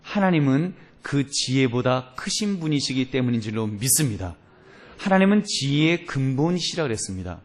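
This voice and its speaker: Animated Korean pastor preaching. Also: male voice, a little high. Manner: animated storytelling, acting out voices in quotes; direct address to congregation, calls for amen. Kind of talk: sermon.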